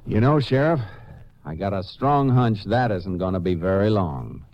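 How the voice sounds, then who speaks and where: A man playing a steady, commanding Texas Ranger in a 1950s radio western, giving firm clipped orders, on a dull, crackly recording. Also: lowish voice, moderate pace, natural voice. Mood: firm, calm.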